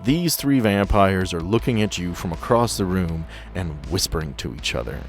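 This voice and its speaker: A man's voice: low-pitched, expressive, moderate pace. A man acting as game master, improvising narration for a tabletop roleplaying game.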